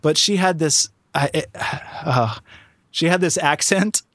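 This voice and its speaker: Podcast co-host, male, higher-pitched than most, chatty and meandering, dry close sound. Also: slow, fairly bright tone, no echo. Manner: rambling, with many restarts and "like"s. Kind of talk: casual conversational chat.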